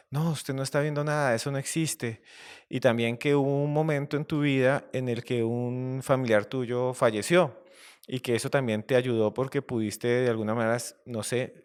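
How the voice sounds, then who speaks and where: Guy hosting an interview, smooth clear voice, kinda rambles and restarts his questions. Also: medium pitch. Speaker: interview host.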